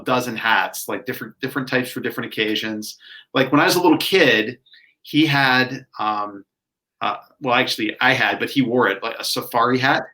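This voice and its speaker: A man's voice: medium pitch, sharp tone. A man co-hosting a local talk show in casual chat, telling rambling stories full of "like" and filler words. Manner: rambling, filler-heavy storytelling with frequent "like". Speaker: co-host.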